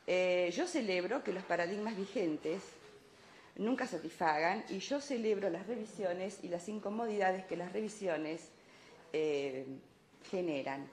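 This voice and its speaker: A woman's voice: on the low side, a little slow, a little mellow. A woman speaking as an academic at a conference, addressing an audience emphatically, with repetition and rhetorical questions. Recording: echoey room, light background noise.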